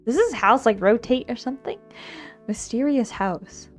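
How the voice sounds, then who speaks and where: Higher-voiced woman streaming a game. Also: lively intonation, moderate pace. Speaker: streamer playing and reading aloud a visual novel. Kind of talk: casual game commentary mixed with reading game text aloud. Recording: music behind the voice. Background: game music.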